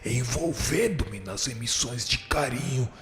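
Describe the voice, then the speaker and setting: An actor playing a powerful, vengeful fallen spirit who sets himself up as judge, speaking solemnly and formally in a radio drama. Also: male voice, medium pitch, animated, unhurried, a bit bright. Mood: vengeful, brooding. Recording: reverberant hall-like echo, music underneath.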